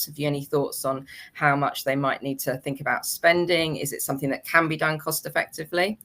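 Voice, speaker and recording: A woman's voice: sits low, a bit bright. A woman hosting a webinar, moderating conversationally and putting questions to the panel. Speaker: webinar host.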